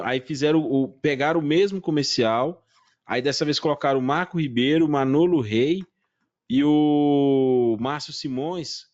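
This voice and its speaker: A man's voice: a little high, a little mellow. A man with a Brazilian Portuguese accent hosting a podcast interview, eagerly retelling stories in casual chat. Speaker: podcast host. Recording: dull lo-fi sound.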